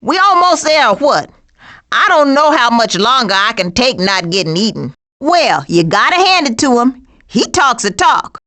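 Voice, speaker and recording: Casting: tough, mouthy female game critter. Blunt, sarcastic, high-pitched, very animated delivery. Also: normal speed. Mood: sassy, sarcastic. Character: sassy, streetwise, tough-talking female cartoon animal. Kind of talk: animated video game voice acting.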